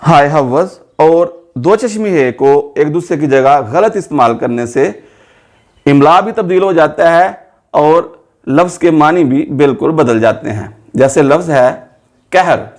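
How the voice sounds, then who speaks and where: Slow, methodical male Urdu teacher. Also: on the high side, expressive. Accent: Pakistani Urdu. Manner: spells words out letter by letter, stretching example words. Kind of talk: slow, methodical spoken lesson.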